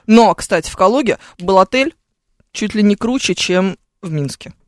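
A woman's voice: mid-range voice, lively intonation, moderate pace, no room sound. A woman co-hosting a radio morning show, telling travel stories in a chatty, ironic way into a studio microphone. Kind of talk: casual on-air chat.

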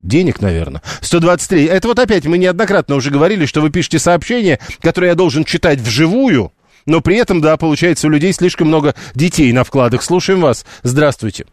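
A man hosting a live radio talk show, reading listener messages aloud and pausing often with filler sounds. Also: fairly high pitch, big pitch swings, dry recording, studio quality. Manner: hesitant, many filler sounds, reads listener texts aloud. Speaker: radio host. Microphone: studio microphone.

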